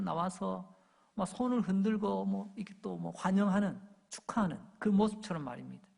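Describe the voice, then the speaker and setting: A male pastor delivering an animated sermon to his congregation, acting out the shouts and taunts of crowds as he preaches. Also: high voice, gravelly, husky. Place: church sanctuary. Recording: long church hall reverb.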